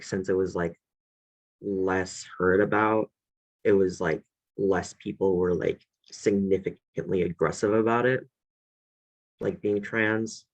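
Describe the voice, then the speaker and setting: A man's voice: sits low, gravelly, low-quality recording. A young man on a student panel, speaking hesitantly with lots of filler words over a video call. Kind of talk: casual panel discussion.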